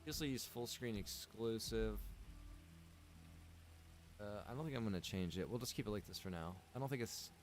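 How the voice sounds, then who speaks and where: A man's voice: lowish voice, moderate pace, pauses often, slight background noise. A man livestreaming from a room at home, chatting casually with his viewers in a rambling way full of "like" and "man". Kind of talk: casual chat with stream viewers.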